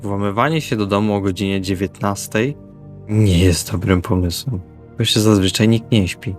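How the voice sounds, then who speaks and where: A man's voice: fairly low pitch, normal speed. A man playing in a tabletop role-playing session, discussing plans casually and in character. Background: background music.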